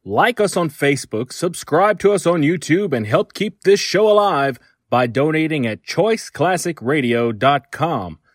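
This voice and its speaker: A man presents a scripted podcast introduction as host. His pitch is a little high and very animated. The recording is dry and close. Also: measured pace, few pauses, no room sound. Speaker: host introducing an old-time radio program.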